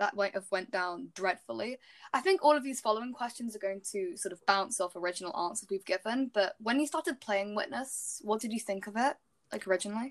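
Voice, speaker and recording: Talking at a fairly quick pace, a woman with a British accent is recorded with a dry, close sound and no echo. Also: fairly high pitch for a woman, ordinary pitch variation. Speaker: podcast host. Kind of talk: casual chat.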